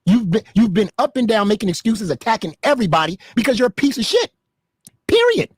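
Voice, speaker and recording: Man, angry, lecturing, swearing, husky, lively pitch. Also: quick pace, dry recording, studio quality. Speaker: live stream panelist. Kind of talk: heated live stream debate.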